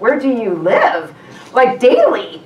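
Over audible room echo, a woman with a high voice talks fairly slowly in an animated tone, her pitch swinging very widely. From Hawaii, Honolulu. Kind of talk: sermon. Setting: church with audience. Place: church.

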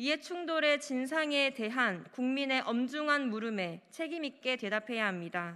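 Over a quiet background, a woman uses a raised, projected voice that is high, bright and sharp, speaking at a fairly slow pace. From South Korea. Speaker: party leader. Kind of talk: press conference statement. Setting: press briefing room. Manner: formal. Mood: firm, critical. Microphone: podium.

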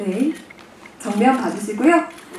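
A woman speaks with very wide pitch swings over light background noise, with audible room echo. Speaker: press event moderator. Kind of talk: formal press conference moderating. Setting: film press screening Q&A event. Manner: formal, polite. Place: hall. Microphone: pa.

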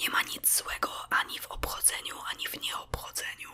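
A woman whispering at a moderate pace amid noticeable background noise. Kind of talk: casual talk to camera. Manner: whispered.

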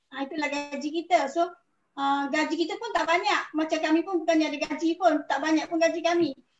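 A woman speaks at an extremely high pitch and a fairly quick pace, with fairly even intonation. Light background noise and audible room echo are present. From Malaysia. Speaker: food business owner. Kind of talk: panel discussion. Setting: video call. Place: office. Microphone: video call.

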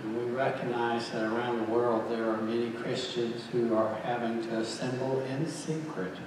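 Strong room echo and noticeable background noise surround a man who speaks at a fairly slow pace. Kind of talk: prayer. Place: church.

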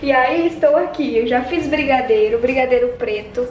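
There is audible room echo and light background noise as this woman talks. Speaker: family vlogger. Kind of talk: casual vlog chat. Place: kitchen. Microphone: phone near.

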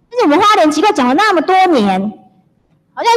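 This woman's pitch is extremely high and swings very widely. She talks at a fairly quick pace. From Taiwan. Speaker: county councillor. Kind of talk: council questioning. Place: hall. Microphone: podium.

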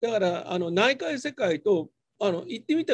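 Here a man's high voice takes very wide pitch swings. He keeps a moderate pace against a quiet background. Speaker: researcher. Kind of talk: casual discussion.

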